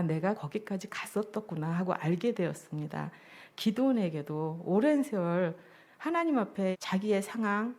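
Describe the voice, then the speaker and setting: A woman's voice: mid-range voice, a little mellow. A woman junior pastor preaching a sermon at a church service, earnest and reflective as she shares her own testimony.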